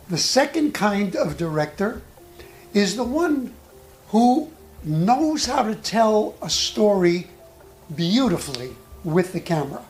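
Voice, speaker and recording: Here the acting coach mixes instruction with anecdotes from his own experience. His pacing is careful and measured, pausing to think, and his voice sits in the middle range.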